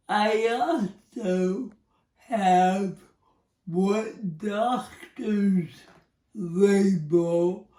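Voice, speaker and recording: A woman in her forties with cerebral palsy, speaking slowly and deliberately as she gives a personal testimony. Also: mid-range voice, a little mellow, echoey room, distant mic. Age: 40s. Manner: slow, deliberate speech with a cerebral palsy speech difference. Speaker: psychology professor and advocate.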